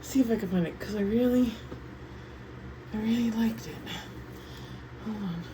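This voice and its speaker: A woman's voice: a little high, normal speed, background noise. A woman vlogging in a casual, rambling, self-interrupting way, her speech slightly slurred and lisping from wearing retainers while she is medicated on painkillers. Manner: scattered, loose, self-interrupting, drifting between thoughts. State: medicated on painkillers after surgery. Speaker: YouTube vlogger. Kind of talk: casual rambling chat to camera.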